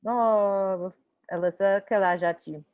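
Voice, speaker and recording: Slow-speaking woman French teacher. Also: mid-range voice, steady tone, darkish tone. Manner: switches between French and English, encouraging. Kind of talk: online class teaching. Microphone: video call.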